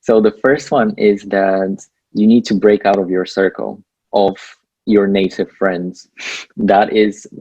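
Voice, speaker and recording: A man's voice: on the low side, takes it slowly, breathy edge, dry recording, dull audio. A young man from Bulgaria with a Bulgarian accent, speaking English as a second language and giving earnest advice as a guest in a casual interview. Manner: relaxed, earnest, laughs between points. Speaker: guest, PhD student.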